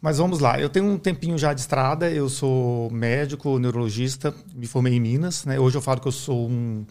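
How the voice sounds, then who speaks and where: A middle-aged man from Brazil speaks as a podcast guest, walking through medical ideas in a calm, teacherly way. His voice sits in an ordinary middle register, and he keeps checking in with the listener as he goes. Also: mid-range voice. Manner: measured, didactic, uses many "né?" tags. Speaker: neurologist guest. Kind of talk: explanatory podcast interview.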